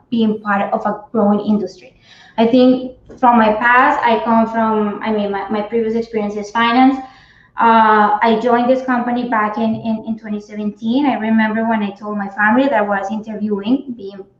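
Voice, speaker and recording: A woman from Colombia, an HR guest answering interview questions earnestly, often restarting and repeating words. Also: a little high. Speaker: cannabis company HR guest. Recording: echoey, dull remote audio.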